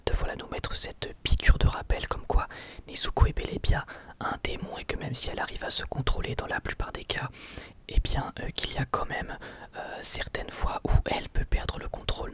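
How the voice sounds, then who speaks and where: Casting: ASMR review host who whispers throughout, breathy and soft, expressive in pitch, informal and keen. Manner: casual, enthusiastic wording with slangy French. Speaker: host of an anime review channel.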